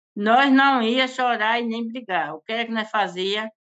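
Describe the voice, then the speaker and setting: A woman's fairly high-pitched voice, an ordinary speaking voice with ordinary pitch variation. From Northeast Brazil, rural quilombola community. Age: 60s. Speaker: quilombola elder and folk culture master. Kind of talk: testimony.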